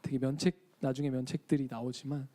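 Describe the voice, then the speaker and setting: A man's voice: medium pitch, level tone, fast talker, dark tone, low-quality recording. A young man preaching a casual sermon in a church, chatting with the congregation, asking them questions and acting out quoted lines. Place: church sanctuary.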